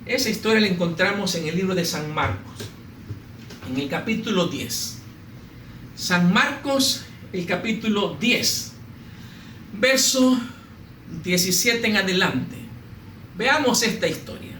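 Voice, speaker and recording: Animated pastor, high bright voice. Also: male voice, slow pace, long pauses. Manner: animated, humorous storytelling with mimicked voices. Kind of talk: sermon. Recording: echoey room, slightly distant mic, faint noise.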